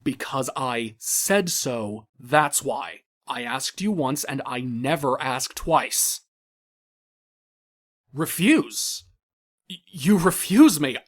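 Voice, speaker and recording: A man playing a cruel, theatrical crime boss in an audio drama, mock-courteous and condescending with menacing outbursts. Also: medium pitch. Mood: condescending, controlling, then threatening, angry.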